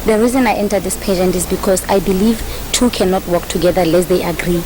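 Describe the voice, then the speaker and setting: A woman's voice: on the low side, fast, noisy background. A woman, a pageant contestant, speaking in a poised, articulate way. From South Africa.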